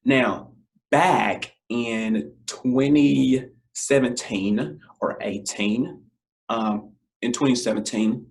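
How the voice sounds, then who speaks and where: Young man, hoarse scratchy voice, education podcast host, direct talk to parents, home webcam. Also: lively intonation, drawn-out words. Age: young adult. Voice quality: scratchy, deep. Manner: direct, repeats key points, addresses parents as y'all. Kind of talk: casual educational monologue. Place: home living room, indoors.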